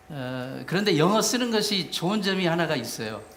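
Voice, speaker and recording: A man speaks at a moderate pace with lively intonation. Room echo is audible, and background noise is noticeable. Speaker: pastor. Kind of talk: sermon. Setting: church. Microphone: audio problems in recording.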